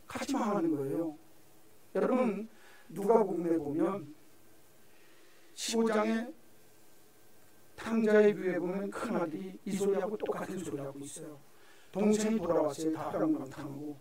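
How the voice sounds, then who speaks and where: Pastor, male, high voice, emphatic sermon, heavy church echo from a distant mic. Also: mellow. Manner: emphatic, repeats phrases, calls out to the congregation. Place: church sanctuary. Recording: echoey hall from far off.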